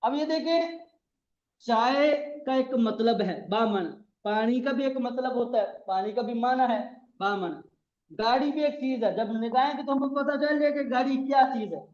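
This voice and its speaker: A man's voice: extremely high pitch, normal speed, darkish tone. A man with a Pakistani Urdu accent giving a classroom grammar lecture, repeating terms and spelling them out letter by letter. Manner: repetitive, spells out words letter by letter. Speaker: Arabic grammar teacher. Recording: echoey room, dull lo-fi sound.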